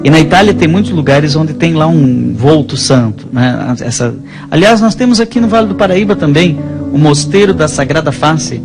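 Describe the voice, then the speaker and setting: A man's voice: on the high side, expressive, normal speed. A Brazilian man chatting and telling stories as a religious talk guest, hesitant and often checking with his listener. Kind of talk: casual conversational storytelling. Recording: music playing behind the speech.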